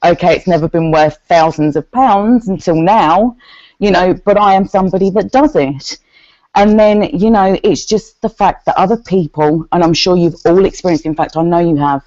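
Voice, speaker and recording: A deep-voiced woman speaks with candor and conviction about her own life. She acts out what others said to her in animated bursts. The recording is dry and a little dull. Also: no echo. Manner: earnest, quotes others' words in lively bursts. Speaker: group member sharing her story. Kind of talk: candid personal testimony.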